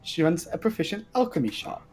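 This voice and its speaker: A man's voice: fairly high pitch, fairly quick, breathy edge, faint music behind. A man playing a tabletop roleplaying game, chatting casually with a playful, joking manner. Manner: animated, playful. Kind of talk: casual, joking gamer banter.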